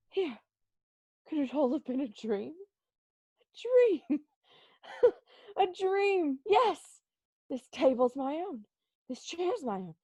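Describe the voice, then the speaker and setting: A woman's voice: high voice, big pitch swings, extremely slow, pauses often, dark tone, dry recording, heavily acted. A woman playing an old male miser, giddily reformed and penitent, in an amateur dramatic reading full of exclamations. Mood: awed relief. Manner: exclamatory, effusive.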